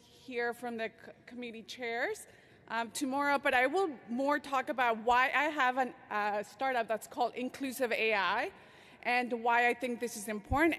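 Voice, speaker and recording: A woman's voice: a little high, a bit bright. A woman from Mexico giving an invited conference talk, speaking with frequent fillers and false starts. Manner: hesitant, many fillers and restarts. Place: large conference hall. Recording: echoey large hall.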